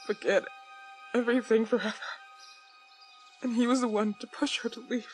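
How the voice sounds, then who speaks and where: An actress playing a troubled, defiant woman in a horror game, speaking earnestly and deliberately in dramatic, broken phrases. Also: a little high, steady tone, natural voice. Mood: somber realization. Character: troubled, defiant woman piecing together buried truths. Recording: faint music behind the voice. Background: faint music.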